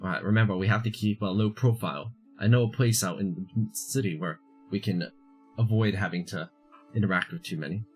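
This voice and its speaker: A man voicing a guarded, cautious adventurer with a measured, reserved manner in a tabletop game. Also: lowish voice, darkish tone, faint music behind, natural voice. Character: guarded, cautious adventurer in disguise, calmly evasive. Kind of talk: tabletop role-play.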